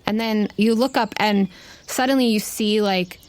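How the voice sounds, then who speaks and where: A woman's voice: mid-range voice, moderate pace. A woman game master improvising narration for a tabletop roleplaying game in a casual, conversational way. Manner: casual, conversational, uses "like" often.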